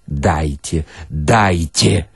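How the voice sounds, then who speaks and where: A man's voice: extremely low pitch, drawn-out words, creaky, husky, no echo, voice pushed down, exaggerated voice. A man voicing a stern newspaper manager with a dry, commanding manner, in a dramatic story reading.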